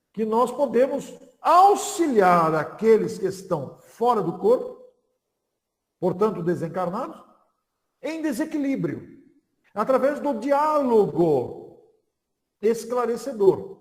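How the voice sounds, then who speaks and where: A man speaks at an extremely high pitch, with very wide pitch swings. His pace is very slow, with long, frequent pauses, and room echo is audible. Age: 60s. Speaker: spiritist lecturer. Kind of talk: lecture.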